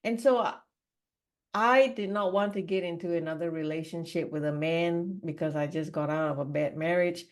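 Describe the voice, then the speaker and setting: This podcast guest from Singapore talks openly about her life story, drifting conversationally and leaning on "you know" and "like" a lot. She has a fairly low voice and a moderate pace.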